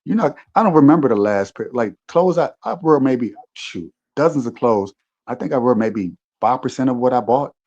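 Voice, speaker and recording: A man's voice: mid-range voice, expressive, normal speed, darkish tone, lo-fi sound. A man in a casual podcast chat, talking reflectively, with frequent restarts. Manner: reflective, rambling with many restarts. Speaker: podcast co-host.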